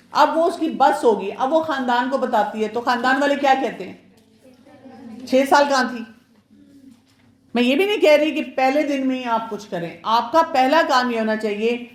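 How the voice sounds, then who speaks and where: A woman pediatrician giving a chatty, advising marriage awareness talk to women, mixing in English words. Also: a little high. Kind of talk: informal lecture to women. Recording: roomy echo.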